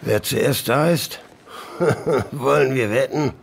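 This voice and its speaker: An actor playing a gruff, taunting provincial policeman with a sardonic, needling manner in an audio drama. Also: medium pitch, slow pace, heavily acted. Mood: dry, relieved.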